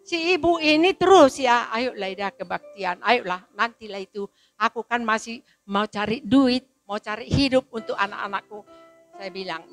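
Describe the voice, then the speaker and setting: A woman in her seventies, giving an emotional spoken testimony to a congregation and acting out the people in her story. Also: mid-range voice. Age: 70s. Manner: emotional, storytelling, quotes people in lively voices. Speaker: church testimony speaker.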